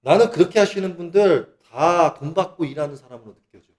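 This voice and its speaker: A man's voice: a little high, fairly quick, darkish tone. A man giving a ranting religious monologue, sarcastic and mocking. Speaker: religious channel speaker.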